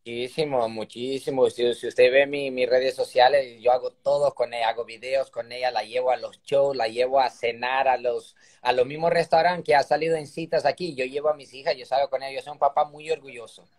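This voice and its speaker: A man's voice: medium pitch, steady tone, a little fast, hardly any pauses, a little mellow. A man in his thirties with a Brazilian Portuguese accent, chatting cheerfully as a guest on a phone video call from his room at home. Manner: cheerful, chatty, keeps asking "me entiendes?". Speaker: guest, circus performer. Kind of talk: casual live-stream interview.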